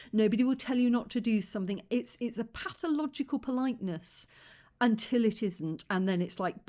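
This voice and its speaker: Her pitch high and swinging very widely, a woman speaks with a British accent. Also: very clean recording, silent background. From Britain. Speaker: YouTuber and writer living abroad. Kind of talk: reaction video commentary. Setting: at home. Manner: hesitant, many fillers.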